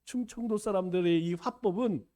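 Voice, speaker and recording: A male pastor with a Chungcheong Korean accent preaches a folksy, playful sermon in a high, mellow voice at normal speed. He acts out little dialogues as he goes.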